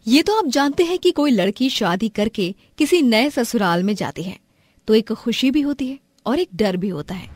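A woman's voice: fairly high pitch, darkish tone, no room sound. Indian woman narrating a story, dry sound.

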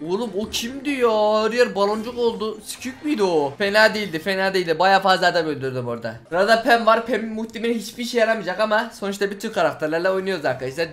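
Fast high-voiced young man commentating. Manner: rapid, repeats phrases, shouts at the game. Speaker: gaming channel host. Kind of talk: excited gameplay commentary.

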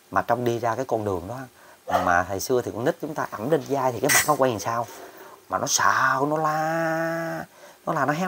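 A man's voice: on the low side, fairly bright tone, slight background noise. A middle-aged man, talking casually as a feng shui and astrology teacher, rambling and repeating words with many fillers. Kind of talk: casual spoken teaching talk.

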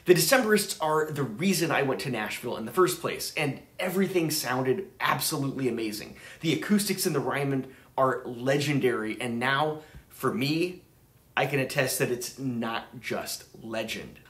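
A man's voice: medium pitch, expressive, normal speed, fairly bright tone. An enthusiastic man in his thirties narrates his travels for his vinyl channel, chatty and eager. His voice sits mid-range, and the room around him adds a noticeable echo. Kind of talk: casual travel vlog narration. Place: room with record shelves.

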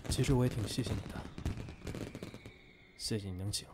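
A young man voiced by an actor in an audio drama, affectionate beneath his teasing. The voice is fairly low and roomy, with fireworks going off behind it. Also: brisk, lightly acted. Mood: tender. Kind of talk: amateur audio drama acting. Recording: roomy, with clear fireworks noise.

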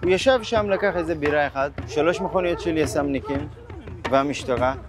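A man in an outdoor city interview, telling his account emphatically and with agitation. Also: a little high. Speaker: interviewee, asylum seeker community member. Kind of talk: interview talk. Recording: music bed underneath.

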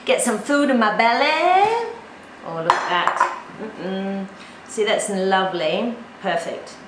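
A woman's voice: medium pitch, animated, takes it slowly, roomy sound, very noisy. A woman in her forties with a New Zealand accent, a lifestyle vlogger chatting to camera while cooking at home. She sounds tired, upbeat and chatty, and laughs often. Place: home kitchen, indoors.

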